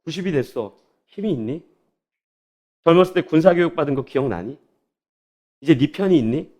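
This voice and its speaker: A man's voice: a little high, expressive, normal speed, darkish tone. A man preaching, voicing God as a divine male voice who speaks bluntly and directly. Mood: stern.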